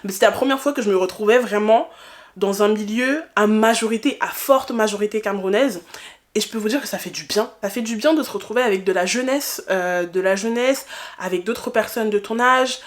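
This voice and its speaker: A woman's voice: mid-range voice, brisk. Candid young woman vlogger. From France. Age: 20s. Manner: candid, colloquial, emphatic repetition of phrases. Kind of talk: personal reflective vlog, casual talk to camera.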